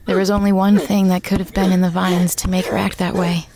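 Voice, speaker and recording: A woman's voice: on the low side, little pitch movement, brisk, crowd noise, lightly acted. A woman playing a weary, regretful former small-town journalist, narrating a first-person horror audio drama in a somber, reflective way. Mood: grim. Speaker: narrator and protagonist. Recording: music bed under voice.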